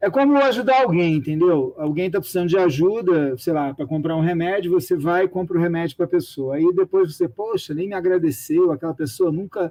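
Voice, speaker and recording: Talking at a fairly quick pace with hardly any pauses, a man uses a high pitch and lively intonation. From Rio de Janeiro, Brazil. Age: 50s. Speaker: writer. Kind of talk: interview.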